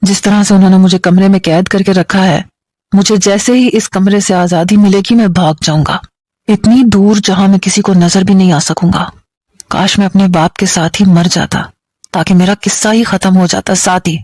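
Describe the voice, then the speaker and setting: A woman's voice: mid-range voice, steady tone, a little mellow, no echo, studio quality, natural voice. A woman with a Pakistani Urdu accent voicing a bitter, defiant young man who speaks in a cold, taunting way. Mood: despairing.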